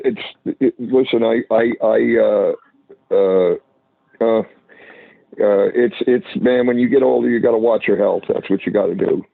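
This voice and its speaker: A man in his late sixties talks casually, often stalling and restarting. His voice is gravelly and dry. It comes through a narrow phone line. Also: fairly low pitch, dry recording. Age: 60s. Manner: halting, with many restarts. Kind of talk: casual chat.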